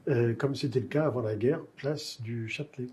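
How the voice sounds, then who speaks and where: Husky, mellow-voiced French-speaking male host. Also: medium pitch. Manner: measured, digressive questioning with many fillers. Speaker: literary talk show host. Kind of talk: cultured interview conversation.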